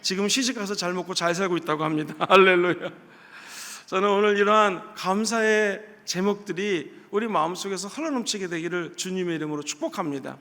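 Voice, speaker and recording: Man preacher, high bright tone, storytelling sermon with loud swells, church hall echo. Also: a little fast, few pauses. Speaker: pastor. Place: church sanctuary.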